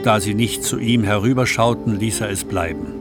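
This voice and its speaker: Calm narrator over music. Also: male voice, lowish voice. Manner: calm, measured. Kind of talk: scripted narration for a radio play. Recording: music playing underneath.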